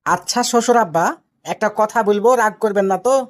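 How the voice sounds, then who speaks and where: A man's voice: high-pitched, fast, close to an everyday voice. Cheeky young son-in-law played by a man, Rajshahi Bengali accent, cocky and argumentative, for village cartoon comedy. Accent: Rajshahi Bangladeshi Bengali. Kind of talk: amateur cartoon comedy dialogue.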